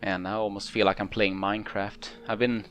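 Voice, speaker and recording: Male let's play host, lowish voice, casual and rambling, game music underneath. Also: level tone, a little fast, fairly bright tone, highs cut off. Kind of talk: casual unscripted game commentary.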